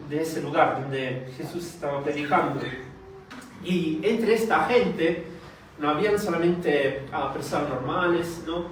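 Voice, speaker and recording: A shy man born in Italy preaches slowly and haltingly in a church hall, pausing often on fillers as he searches for words. He is far from the mic, and the hall echoes heavily around him. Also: a little high. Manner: hesitant, many fillers and restarts; soft-spoken, shy. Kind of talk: sermon with prayer. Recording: distant mic in very echoey hall, faint noise.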